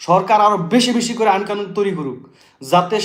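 In a high-pitched, animated voice with ordinary pitch variation, a man speaks amid audible room echo and noticeable background noise. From Bangladesh, Shariatpur district. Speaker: YouTube vlogger. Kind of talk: live stream monologue with viewer Q&A.

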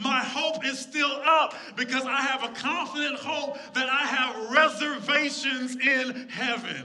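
A man speaks at a fairly slow pace in a raised, projected voice, animated and passionate, with hardly any pauses. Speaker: preacher. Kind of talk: sermon. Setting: church with live congregation. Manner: animated, fervent pulpit delivery with rhetorical questions and exhortation; passionate, urgent, rising to commanding tone in prayer and altar call. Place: church. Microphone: headset.

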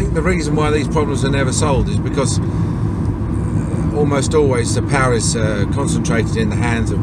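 Over loud background noise, a man speaks at a moderate pace in a dry recording with no echo. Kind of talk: casual vlog commentary. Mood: critical, somewhat rueful. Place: car. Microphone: phone near.

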